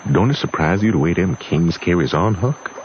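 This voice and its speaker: An actor playing a gentle, sorrowful runaway father in an old radio drama, speaking a folksy Southern US rural dialect. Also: low voice, expressive, moderate pace. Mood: weary, confiding. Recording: muffled, faintly noisy old radio recording.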